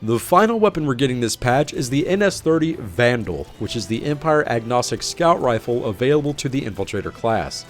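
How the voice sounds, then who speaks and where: A man's voice: medium pitch, big pitch swings, a little fast, hardly any pauses, faint music behind. A man narrating a scripted video game patch review as the host.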